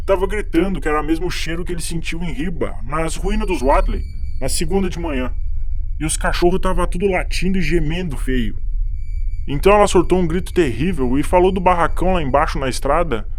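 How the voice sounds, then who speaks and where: A man's voice: fairly high pitch, natural voice. A man voicing a panicked country villager with a rural Brazilian accent, telling a horror tale in frantic, colloquial speech. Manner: frantic, colloquial, dramatic storytelling. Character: panicked rustic villager reporting a monstrous attack. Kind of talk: dramatized horror audiobook.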